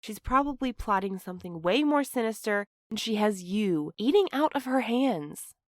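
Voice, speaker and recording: A woman's voice: medium pitch, expressive, moderate pace, dry recording, studio quality, natural voice. An actress playing a guarded, exasperated and sarcastic woman in an audio drama, speaking bluntly. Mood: bitter, distrustful. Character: exasperated, guarded, sharp-tongued woman facing her double. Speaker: fiction podcast actor.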